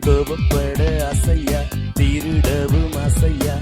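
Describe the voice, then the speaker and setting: A woman sings a children's worship song very slowly in a low voice. Loud backing music fills the track. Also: flat delivery. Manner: singing slowly, in a call-and-response song. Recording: singing over loud music.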